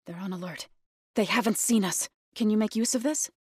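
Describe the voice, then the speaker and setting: A woman's voice: medium pitch, brisk, a little mellow, slightly rough, dry recording, studio quality, close to an everyday voice. An actress playing an earnest female tribal warrior companion, delivering short, emphatic battle lines for a video game. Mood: calm, supportive.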